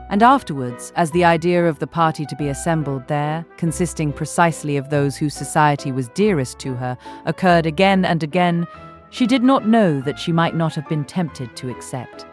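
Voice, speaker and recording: Low-pitched woman narrating, soft music behind. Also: animated, normal speed. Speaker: audiobook narrator. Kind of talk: scripted literary narration.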